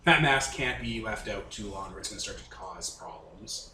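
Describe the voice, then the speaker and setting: A man's voice: fairly low pitch, lively intonation, moderate pace. A man casually improvising narration as game master of a tabletop game, talking informally. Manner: informal, conversational. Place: indoor room with other players. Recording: echoey room, far from mic, faint noise.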